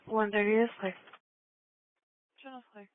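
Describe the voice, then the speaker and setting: A woman's voice: medium pitch, steady tone, a little slow, no room sound. A female dispatcher giving brief acknowledgements over a two-way police radio. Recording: dry, tinny radio channel.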